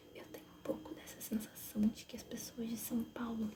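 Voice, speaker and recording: The speaker is soft-spoken and talks at a moderate pace. Noticeable background noise runs underneath. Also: woman. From Brazil, Minas Gerais. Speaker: ASMR content creator. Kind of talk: ASMR casual chat while coloring. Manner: whispering.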